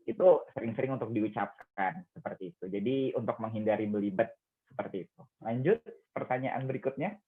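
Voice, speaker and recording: A young man, a radio and TV presenter, explaining speaking tips in an online discussion and acting out examples with big jumps in pitch. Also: animated, brisk. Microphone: video call. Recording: tinny phone-like call audio.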